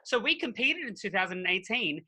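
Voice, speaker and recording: A man's voice: high voice, very animated, a little fast, bright, forceful tone, dry recording. A man co-hosting a podcast in casual chat, upbeat and enthusiastic. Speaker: podcast co-host.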